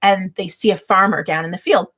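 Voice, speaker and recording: A woman's voice: medium pitch, a little fast, fairly bright tone. Female livestream host, middle-aged, mid-range voice with some huskiness. Informal teaching delivery, chatty and easygoing. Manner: chatty, laughs readily as she talks. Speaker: livestream host giving book-writing tips. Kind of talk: casual livestream teaching talk with chat replies.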